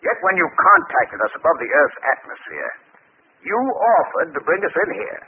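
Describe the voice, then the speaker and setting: Radio space captain: wary, firm, piercingly bright tone, lo-fi 1950s recording. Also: male voice, a little high, huge pitch swings, moderate pace, a little hiss or hum, full character voice. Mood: wary, challenging. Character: level-headed, wary male spaceship captain. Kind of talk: 1950s radio drama acting.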